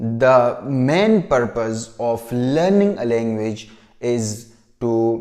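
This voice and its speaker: A man at a very slow pace, with a dark, mellow tone, medium pitch and lively intonation. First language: Pashto or Urdu. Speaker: vlogger. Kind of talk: personal vlog monologue. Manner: hesitant, with fillers.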